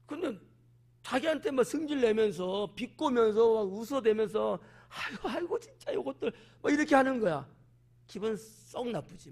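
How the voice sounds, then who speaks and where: A male pastor preaching an evening sermon, explaining a Bible passage verse by verse and acting out the people in it in lively quoted voices. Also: high voice. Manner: animated, acts out quoted voices, talks directly to the congregation. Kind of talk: evening service sermon, expository Bible teaching.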